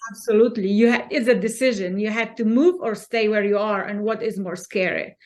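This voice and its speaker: A woman from Poland with a Polish accent, a podcast guest talking in an earnest, encouraging way with halting non-native phrasing. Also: medium pitch, steady tone, darkish tone. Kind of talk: conversational interview.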